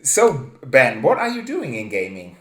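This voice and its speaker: Slow, halting German-speaking man host. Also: medium pitch, wildly swooping pitch, reverberant. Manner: hesitant, halting, laughs often. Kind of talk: casual chat.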